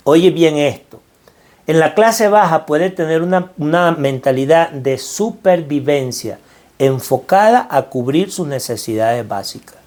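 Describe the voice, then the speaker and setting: A middle-aged Venezuelan man speaks on financial mindset, giving an earnest, preacherly motivational talk and repeating phrases for emphasis. His fairly high voice has a darkish tone. He takes his time.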